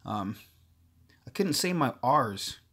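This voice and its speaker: A man's voice: medium pitch, very animated, slow, sharp tone, slightly rough. A man hosting a gaming livestream, chatting casually and thinking aloud, with many filler words. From partly Korean heritage. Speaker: livestream host.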